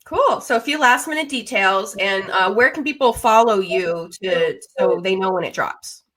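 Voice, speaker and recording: A woman's voice: medium pitch, moderate pace, fairly bright tone. A woman hosting a casual interview podcast, speaking in an encouraging, supportive way to her guest. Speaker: podcast host.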